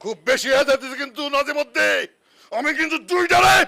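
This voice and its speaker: A man's voice: extremely high pitch, expressive, fairly quick, a bit bright. A man playing a stern father who barks and scolds his sons. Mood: scolding. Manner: barking, scolding.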